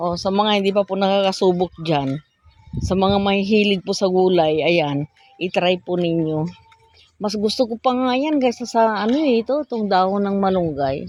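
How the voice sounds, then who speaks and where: A woman speaks at medium pitch in an ordinary speaking voice, with lively intonation and a moderate pace. The sound is dry and close, with no echo. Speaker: vlogger. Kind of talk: casual vlog talk to camera while walking outdoors. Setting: outdoors.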